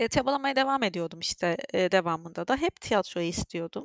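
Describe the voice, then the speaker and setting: Pitch swings very widely at a moderate pace in this very clean recording, which has a silent background and a dry, close sound with no echo. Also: woman. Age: 30s. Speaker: podcast host, former actress. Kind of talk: personal monologue.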